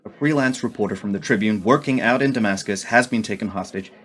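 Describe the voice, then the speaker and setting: An actor playing a hawkish male White House staffer in a radio play, brisk and businesslike. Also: lowish voice, a bit bright, natural voice. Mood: urgent, businesslike.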